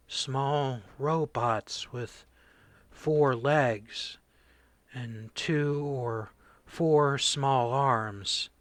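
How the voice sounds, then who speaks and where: A man playing a traumatized corporal in a radio play, recounting horrors in halting, broken phrases. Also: mid-range voice, fairly bright tone, dry recording. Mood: sedated, grieving. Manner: halting, haunted, fragmented delivery. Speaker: voice actor.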